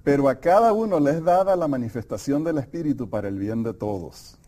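A middle-aged man co-leads a Bible study, reading scripture and answering in a calm, affirming manner. His voice is warm and mellow, at an ordinary pitch for a man. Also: fairly quick. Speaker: Bible lesson co-presenter. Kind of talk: conversational Bible study lesson.

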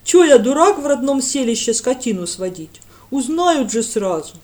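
A woman doing a loud, simple village lad. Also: high-pitched, sing-song, moderate pace. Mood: boastful. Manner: loud, eager, drawling folksy talk. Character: big simple-minded village lad, eager.

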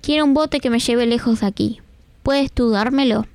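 A woman's voice: fairly high pitch, moderate pace, a little mellow, clean tone, no echo, lightly acted. A woman voicing a boy who grows into a tired old man, in a children's radio story read in a plain, asking tone. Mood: wanting.

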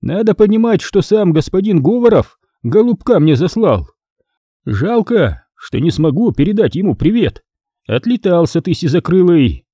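Higher-pitched, taunting crime boss voiced by a man. Lively swings, mellow tone, dry close sound. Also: moderate pace, breathy edge, no echo, heavily acted. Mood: gloating. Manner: taunting, barked threats and sly mockery. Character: sneering crime boss, mocking and menacing man.

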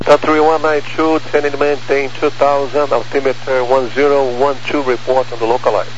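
A man's voice: medium pitch, flat delivery, moderate pace. A Brazilian man working as an air traffic controller, issuing procedural instructions over the radio. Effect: radio transmission. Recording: muffled aviation radio, faint noise.

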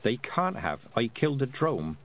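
A man's voice: mid-range voice, sing-song, moderate pace, a bit bright. A man voicing an earnest, brave young girl who speaks with urgency and determination. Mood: determined.

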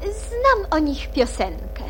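A woman's voice: very high voice, huge pitch swings, takes it slowly, music in the background, exaggerated voice. A woman playing a polite, curious little girl in a radio play, earnest and questioning.

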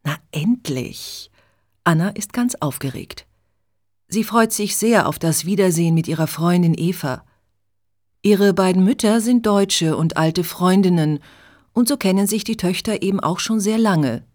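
A woman narrating a chapter of a story in clear, measured scripted reading. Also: on the low side, a little mellow. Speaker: audiobook narrator.

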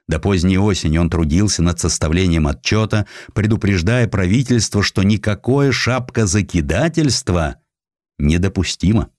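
Guy narrating history audiobook, really low voice, lots of expression, dry studio sound. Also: darkish tone, no echo. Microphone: close studio microphone.

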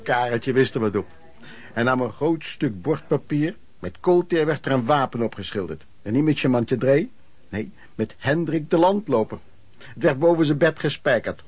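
A man's voice: medium pitch, darkish tone, slightly rough, no echo. An actor playing a former street peddler who frankly recounts his youth as radio play narration, in a conversational way. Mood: storytelling. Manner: conversational storytelling.

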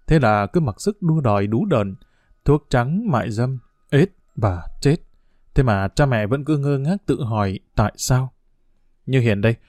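A man narrating a news feature in a steady, grave reading voice. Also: medium pitch, dry recording, studio quality. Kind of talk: scripted documentary narration.

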